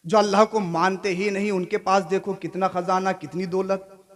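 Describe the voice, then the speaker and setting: A male preacher giving a sermon, swinging between shouted exhortation and quiet, conversational asides, often asking the crowd questions. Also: sits high, little pitch movement, normal speed. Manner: keeps asking the audience questions. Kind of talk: sermon at a religious gathering.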